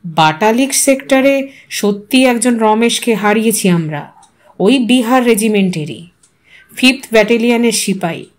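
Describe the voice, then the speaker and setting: A woman voicing a courteous, apologetic male army colonel in an audio story, speaking formally and gravely. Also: fairly high pitch, expressive, measured pace.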